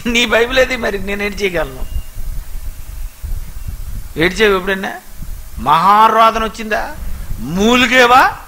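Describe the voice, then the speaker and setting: A man preaching a sermon with an animated manner, asking his listeners question after question. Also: high-pitched, measured pace, pauses often, a little hiss or hum, poor audio.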